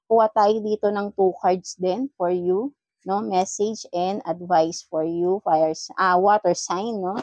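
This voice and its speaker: A woman's voice: medium pitch, steady tone, slow, a little mellow, no room sound. Chatty woman giving a tarot reading. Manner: chatty, advising, ends phrases with questioning tags. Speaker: tarot reader.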